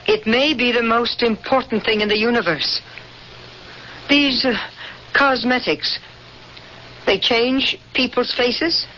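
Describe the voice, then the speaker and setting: A woman's voice: on the high side, slow pace, pauses often. A woman playing a stern, dogmatic young interrogator of an alien autocracy in a radio drama, speaking in a cold, formal, literal-minded way. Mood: probing. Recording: muffled, faintly noisy old radio broadcast.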